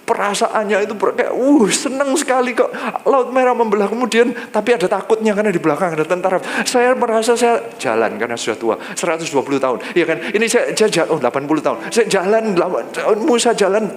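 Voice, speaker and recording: A male pastor, telling a personal testimony in a sermon, lively and drawn-out when he quotes. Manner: lively storytelling, drops low and slow when quoting God.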